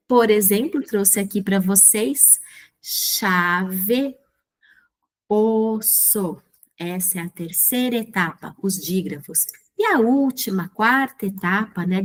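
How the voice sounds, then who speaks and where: Woman, Brazilian accent, mid pitch, didactic trainer voice for a slide lesson. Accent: Brazilian Portuguese. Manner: didactic, asks the audience questions, frequent "né". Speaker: teacher trainer.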